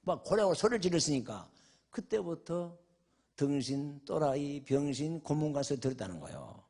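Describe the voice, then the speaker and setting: An older male pastor preaching a revival sermon, telling a story dramatically, swinging from shouted questions to a hushed murmur. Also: fairly high pitch, sing-song, moderate pace, husky.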